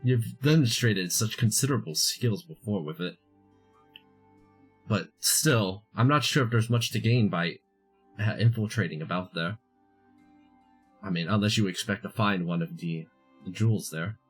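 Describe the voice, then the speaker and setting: A man voicing a guarded, cautious adventurer with a measured, reserved manner in a tabletop game. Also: lowish voice, faint music behind, lightly acted. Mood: measured doubt. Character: guarded, cautious adventurer in disguise, calmly evasive. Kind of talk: tabletop role-play.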